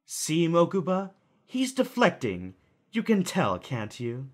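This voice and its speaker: A man playing a calculating, smugly theatrical kidnapper in an audio drama, mocking with drawn-out, deliberate phrasing. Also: a little high, wildly swooping pitch, full character voice. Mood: sly goading.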